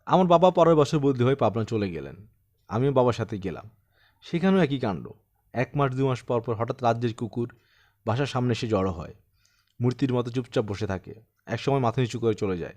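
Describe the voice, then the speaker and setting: A man's voice: mid-range voice, expressive, brisk, darkish tone, close to an everyday voice. Audiobook role: troubled man of sixty-seven, self-deprecating yet insistent, telling his eerie tale, played by a male reader. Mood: haunted, wondering. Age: 60s. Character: troubled 67-year-old man recounting his eerie haunting. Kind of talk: dramatised audiobook storytelling.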